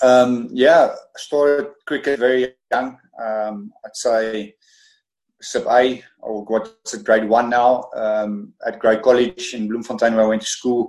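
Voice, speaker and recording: A man's medium-pitched voice at a very slow pace, with ordinary pitch variation and big swings in loudness. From South Africa, Free State. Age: 30s. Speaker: professional cricketer. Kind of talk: interview.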